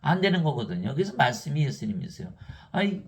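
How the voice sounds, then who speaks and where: Older guy preaching a bible sermon, gravelly, pitch all over the place, fed up and asking question after question. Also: fast talker. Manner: exasperated, fires rhetorical questions; reads verses in an even recital tone. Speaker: lay preacher.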